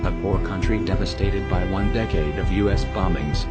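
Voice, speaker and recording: A man speaking through a voice disguise that makes him sound deep, reading a scripted anonymous message in a grave, lecturing way. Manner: slow, grave, lecturing delivery. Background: loud music.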